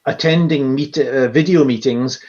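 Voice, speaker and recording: A Scottish man talks from his home over a video call, rambling warmly through stories with plenty of false starts and dry jokes. His voice sits at an ordinary pitch, and the audio comes through slightly dull and muffled. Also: moderate pace. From Scotland. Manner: chatty, self-deprecating, many restarts. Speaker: guest, university e-learning worker. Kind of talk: casual video-call chat.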